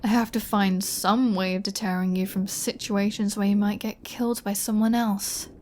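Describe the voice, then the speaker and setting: A woman's voice: mid-range voice, level tone, normal speed, darkish tone, natural voice. A woman voicing a flirty, possessive female vampire in an intimate ASMR roleplay, with a teasing, playfully threatening manner. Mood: teasing, commanding.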